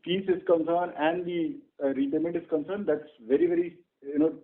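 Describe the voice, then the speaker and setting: An Indian man answering questions on an earnings call as a bank executive, speaking in a halting, repetitive way over a conference line. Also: a little high, fairly even intonation. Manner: halting, repetitive, says "you know" often. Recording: muffled band-limited conference phone line.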